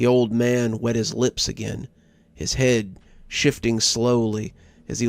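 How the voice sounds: Someone reads out loud. This is a natural reading voice.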